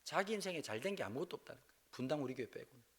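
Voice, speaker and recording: A male pastor from Busan, preaching a revival sermon in a church with humor, moving between quiet asides and loud exclamations. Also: on the high side, expressive, rapid-fire, breathy edge. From Busan, South Korea. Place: church sanctuary.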